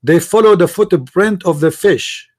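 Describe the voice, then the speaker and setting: High-pitched, confrontational Arabic-accented man. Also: expressive, unhurried. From Middle East. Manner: confrontational, insistent, repeats phrases and questions. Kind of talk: heated religious debate.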